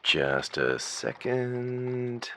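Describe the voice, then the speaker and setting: A man's voice: mid-range voice, big pitch swings, pushed and bright, heavily acted. A man playing a polite, businesslike relay service officer who passes on a caller's words in a matter-of-fact way. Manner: matter-of-fact, courteous, halting while typing. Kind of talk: phone call on a radio drama.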